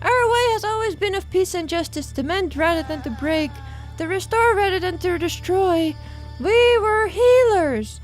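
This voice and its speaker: A woman as a courteous, gentle high-voiced lady healer. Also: lively intonation, soft background music. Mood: solemn. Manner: polite, formal, measured.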